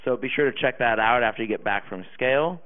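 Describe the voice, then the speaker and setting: A man welcomes a conference audience and reads a sponsor message in a plain, read-out way. The audio is narrow and tinny, like a phone line. His voice sits at a middle pitch for a man. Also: quick pace. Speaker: room host. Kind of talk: reading sponsor announcement.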